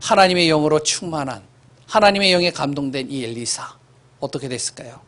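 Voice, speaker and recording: A male pastor with a Seoul accent preaches in a church, his voice pitched somewhat high. He acts out conversations in a raised voice. He drops suddenly into hushed, nearly whispered lines. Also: lively intonation, brisk. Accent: Seoul Korean. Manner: swings from loud exclamations to hushed, whispered lines; acts out dialogue with children in a raised voice. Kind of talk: sermon. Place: church sanctuary.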